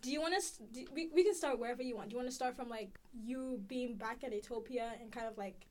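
A young woman co-hosting a podcast, asking questions casually and encouraging her guest with steady mm-hmms. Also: fairly high pitch, fast, slight background noise. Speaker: podcast co-host. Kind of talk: casual interview.

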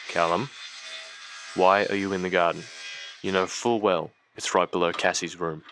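A man's voice: sits low, fairly even intonation, moderate pace, noisy background. A man playing a matter-of-fact, mildly scolding family member busy gardening in an audio drama.

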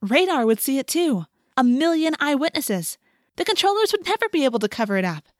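A woman reader acts out a headstrong teenage girl from a storybook. She is feisty and emphatic, with a raised, high voice and a snappy way of putting things, recorded very dry. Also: a little fast, no room sound, lightly acted. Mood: fired up.

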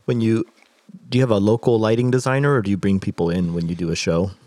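Man, interviewer, low pitch, dry close sound, curious, loose phrasing. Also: flat delivery, fast, mellow, dry recording. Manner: curious, loose, questions that restart midway. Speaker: interviewer host. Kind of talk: casual interview questions.

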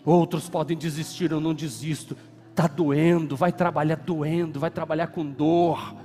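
High-pitched Brazilian pastor preaching, echoing hall. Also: male voice, steady tone, moderate pace. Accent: Brazilian Portuguese. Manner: preaching with sweeping swings from hushed to shouted. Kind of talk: sermon. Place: church hall. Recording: reverberant church hall with music.

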